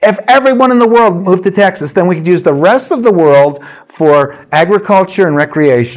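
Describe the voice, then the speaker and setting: With an American accent, a man speaks at a moderate pace in a high pitch, his voice making very wide pitch swings. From New Jersey, US. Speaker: pastor, Bible teacher. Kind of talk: Bible study lecture. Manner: hesitant fillers (uh).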